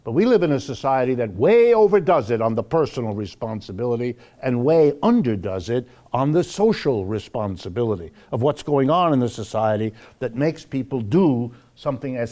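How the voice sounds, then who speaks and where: A man's voice: medium pitch, sing-song, normal speed, few pauses, dark tone. Emphatic man giving a public lecture.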